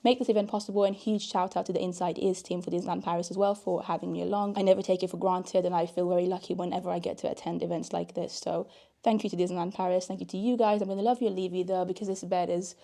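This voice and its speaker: A woman's voice: on the low side, level tone, quick pace, gravelly. Tired woman vlogging late at night. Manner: chatty, warm and a little tired, with soft laughs. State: tired, voice a little worn. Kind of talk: casual vlog narration. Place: outdoors at night by a hotel and fountains, then a hotel room.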